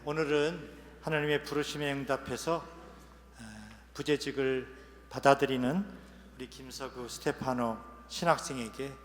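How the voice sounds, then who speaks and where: A man preaching as a bishop at an ordination, telling humorous stories and letting his phrases trail off softly at their ends. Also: mid-range voice. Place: large cathedral. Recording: long cathedral reverb.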